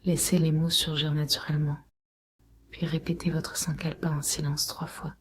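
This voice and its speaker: A woman leading a guided relaxation meditation in a breathy, husky, often near-whispered voice, giving slow, soothing, measured instructions. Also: low voice, level tone, a little hiss or hum. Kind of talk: guided Yoga Nidra meditation.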